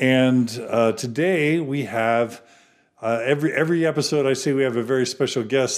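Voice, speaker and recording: Spoken at a moderate pace, the voice keeps a fairly even intonation against a quiet background. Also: man. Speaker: podcast host. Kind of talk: podcast introduction. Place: studio. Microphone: studio mic.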